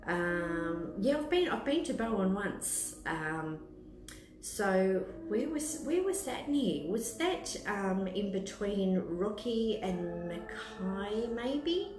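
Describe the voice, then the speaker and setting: Over music, a woman in her fifties with an Australian accent hosts a live stream, chatting casually with viewers and answering them. She runs a tea room and reads palms and tea leaves, and her mid-range, expressive voice moves slowly as she thinks aloud in a hesitant, rambling way. The recording has a roomy echo with clear background noise.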